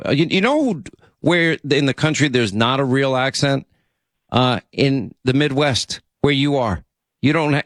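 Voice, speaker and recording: This radio talk show host speaks at a medium pitch, rambling chattily through casual call-in conversation and interrupting himself along the way. The audio is dry and of studio quality.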